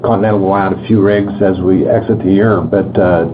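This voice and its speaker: A man's voice: low-pitched, steady tone, a little fast. A man speaking as a company executive, giving a matter-of-fact answer on a conference call. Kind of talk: unscripted earnings call answer. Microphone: conference phone line. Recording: noisy, dull conference call line.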